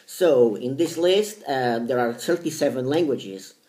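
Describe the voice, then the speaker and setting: This language learning vlogger, a Portuguese-speaking man in his 30s, chats casually to camera about his studies. His medium-pitched voice is expressive and dark in tone, heard in a roomy space. He speaks haltingly, often restarting and repeating words, and stresses each language name.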